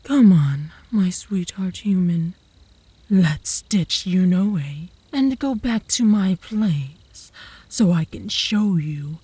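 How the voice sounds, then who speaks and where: A woman's voice: lowish voice, dark tone, husky, no echo, full character voice. A woman playing a smug, teasing, romantically obsessed werewolf in a comedic ASMR roleplay, with a sly, seductive manner.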